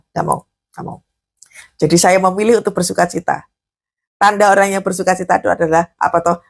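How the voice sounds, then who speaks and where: A woman preaching a morning devotional with a Javanese-inflected accent. Her voice is gravelly and a little husky. She talks conversationally, asking questions and then answering them herself. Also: medium pitch. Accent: Javanese-inflected Indonesian. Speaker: preacher and counselor.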